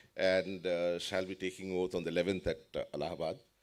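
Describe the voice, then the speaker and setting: A man with a Keralan accent speaks with a very deep, low pitch. His pace is fairly quick, and the recording is very clean with a silent background. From India, Kerala (Kannur). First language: Malayalam. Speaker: judge. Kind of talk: conference speech. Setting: conference hall with audience. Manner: hesitant, many fillers.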